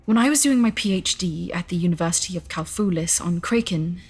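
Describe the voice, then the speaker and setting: A woman's voice: fairly low pitch, expressive, fairly quick, a little mellow, breathy edge. A woman playing a guarded, serious starship scientist in an audio drama, earnest, dry and precise. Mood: subdued, confiding. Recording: faint music behind the voice.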